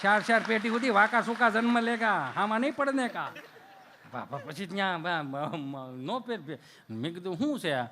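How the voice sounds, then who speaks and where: A man doing animated folk stage comedy, acting out voices and often addressing the audience as "saheb". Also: high voice, normal speed, some chatter behind, slight background noise. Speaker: stand-up comedian. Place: live stage show before an audience.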